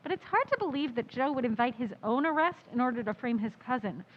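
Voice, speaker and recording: Woman acting wry radio sleuth's sidekick, higher voice. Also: lively intonation, fast, dull audio. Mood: wry, reasoning. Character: loyal, sensible, gently wry female sidekick of a sleuth. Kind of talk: old-time radio drama acting.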